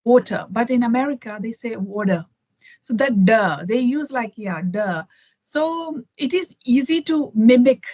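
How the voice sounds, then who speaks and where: A woman's voice: fairly high pitch, darkish tone, no room sound, rough recording. A woman from Kerala with an Indian accent, chatting thoughtfully as a guest on a video call, with many fillers and restarts. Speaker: interview guest. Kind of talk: casual conversation over a video call.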